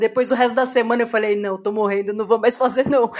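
A woman's fairly high voice at a very fast pace, with ordinary pitch variation and noticeable background noise. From Brazil, Santos (São Paulo state). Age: 30s. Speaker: front-end developer. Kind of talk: casual chat.

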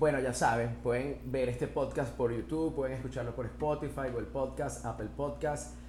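Speaking with a Venezuelan accent at a moderate pace, the voice leaves hardly any pauses. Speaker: podcast co-host. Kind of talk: casual chat. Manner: animated.

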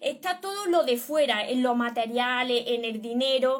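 A woman speaking at a fairly slow pace. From Spain, Córdoba. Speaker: life coach. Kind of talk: live stream Q&A. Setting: live video stream.

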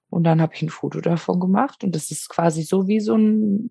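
A dark, mellow, somewhat breathy tone with lively intonation, in a dry, close sound with no echo. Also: woman. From Baden, southwestern Germany. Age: 30s. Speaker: Instagram creator and tattooed model. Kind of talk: casual interview.

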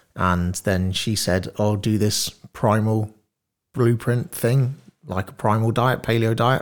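A man talks at a fairly slow pace in a fairly low voice with ordinary pitch variation, and it is a plain, everyday voice. The recording is very clean, with a silent background. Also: very even loudness. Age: 30s. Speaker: ketogenic influencer and coach, former soldier. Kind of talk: casual chat. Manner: jokey, laughs often.

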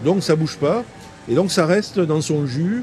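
Over music in the background, a man with a fairly high pitch speaks with lively intonation. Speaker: bar patron. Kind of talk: casual chat.

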